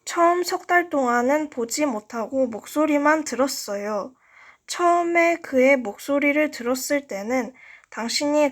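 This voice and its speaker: Woman, high voice, slow pace, amateur audiobook narration, careful reading. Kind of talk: reading a novel aloud.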